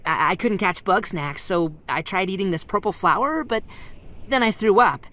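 Cartoon game creature: small, furry, nervous, gushing, hesitant, very animated delivery, highish register. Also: male voice, moderate pace. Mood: earnest, gentle. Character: timid, earnest, excitable small furry cartoon creature, male. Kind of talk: animated video game character acting.

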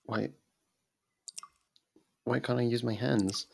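A man playing a frightened, humiliated young captive in an ASMR roleplay, halting and timid, with a gravelly voice. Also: medium pitch, fairly even intonation. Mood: timid, submissive. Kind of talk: ASMR roleplay audio drama. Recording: echoey, long cavernous reverb.

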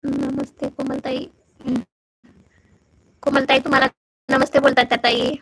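Bright high-voiced Marathi woman live-streaming. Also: little pitch movement, normal speed, rough recording. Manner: chatty, keeps checking her audio with viewers. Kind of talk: casual live chat with viewers. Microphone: phone.

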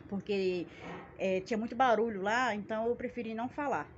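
A woman's voice: on the high side, a little fast. A Brazilian woman in her forties chatting casually to her phone at arm's length, with a folksy, self-mocking, jokey manner. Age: 40s. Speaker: plant channel vlogger. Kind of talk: casual chat to camera. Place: small outdoor plant-filled yard by a wall. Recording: dull phone audio with background noise.

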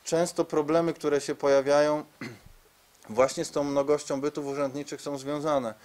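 A man gives a formal, measured presentation at a press conference, pausing hesitantly. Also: fairly high pitch, level tone, a little mellow. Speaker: medical reform spokesman. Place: conference room, seated at a table before a screen. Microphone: press microphones on the table.

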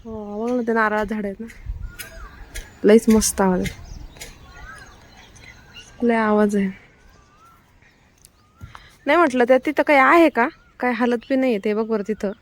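A woman's voice: fairly high pitch, steady tone, unhurried, long pauses. A woman chatting casually while filming a vlog on her phone on a rooftop, exclaiming and teasingly scolding her son. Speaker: vlogger and mother. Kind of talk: casual outdoor vlog chat. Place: outdoors on a house rooftop in the rain. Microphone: phone held in her hand.

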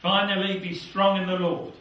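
A man's voice: sits high, little pitch movement, moderate pace. An older man with a British accent preaching a fervent sermon and reading scripture in a small church hall. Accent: British English. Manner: earnest, fervent, drops voice to a hush at phrase ends. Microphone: lapel mic. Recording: echoey hall, somewhat far from mic.

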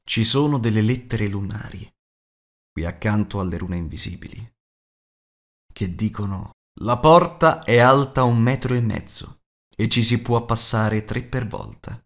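Man as a elf lord, wise, grave, measured, explanatory, storybook. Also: lowish voice.

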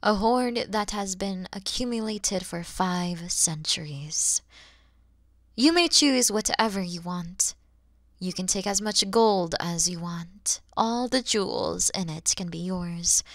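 Centuries-old dragon mother played by a woman for ASMR roleplay: proud but kind, unhurried, very expressive pitch, breathy touches. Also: dry recording, clean studio sound. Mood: grateful, soft. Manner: breathy, often dropping into whispers, theatrical pauses.

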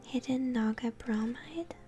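Her voice a little high, mellow, and unhurried, a young woman streams a game at home and whispers ASMR commentary, offering her viewers encouragement. Video game music plays behind her.

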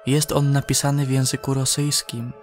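A man narrating a scripted audio drama in a measured, solemn manner, like reading an official report. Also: mid-range voice, little pitch movement. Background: music.

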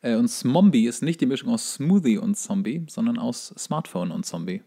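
A man's voice: mid-range voice, lively intonation, normal speed, gravelly, dark tone, slightly rough. A man co-hosts a comedy podcast in a mid-range voice. He chats casually, with a joking, ironic manner. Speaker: podcast co-host.

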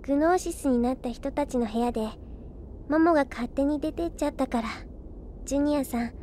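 A woman playing a gentle, polite, devoted little girl in an anime-style audio drama, speaking earnestly. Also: high voice, a little fast, slight background noise, close to an everyday voice. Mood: shy, earnest. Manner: polite, soft-hearted, earnest.

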